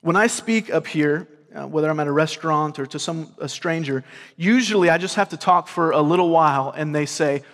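A man in his thirties with a Southern US accent, preaching a sermon in an earnest, conversational way, often checking in with a quick "right?". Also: fairly high pitch, a bit bright. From grew up in California and Georgia. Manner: earnest, repeats words, asks the crowd "right?". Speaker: pastor. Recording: long hall reverb.

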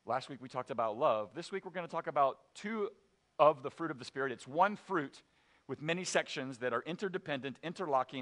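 A man preaching a sermon to his church, telling a story animatedly and dropping to a quiet, serious tone for weighty points. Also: mid-range voice. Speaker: pastor.

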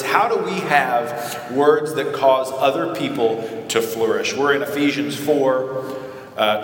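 Pastor preaching in an echoey hall. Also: male voice, medium pitch, a bit bright. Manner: earnest with dry self-deprecating humor. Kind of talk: sermon. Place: church sanctuary. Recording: echoey hall recording with faint noise.

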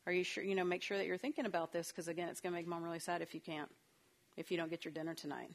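A woman's voice: fairly low pitch, steady tone, rapid-fire. Chatty woman counselor telling a parenting story. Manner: conversational, storytelling, with fillers and asides. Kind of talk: parenting talk with personal anecdotes.

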